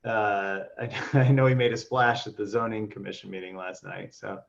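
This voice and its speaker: Man, lowish voice, meeting chair, halting and filler-heavy, muffled lo-fi audio. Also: steady tone, creaky. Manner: halting, many restarts and fillers. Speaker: board member leading the meeting. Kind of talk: casual meeting discussion.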